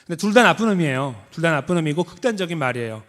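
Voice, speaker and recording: A man preaching a sermon as pastor, acting out quoted lines with sudden jumps up in pitch. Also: lively intonation, very fast, a bit bright. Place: church sanctuary. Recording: long hall reverb, church sanctuary.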